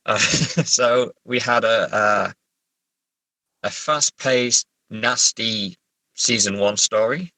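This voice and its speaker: Male writer, low-pitched, bright forceful tone, dry close recording, casual interview, halting thinking-aloud delivery. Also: dry recording, rough recording. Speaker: writer, podcast guest. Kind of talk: casual interview chat about writing.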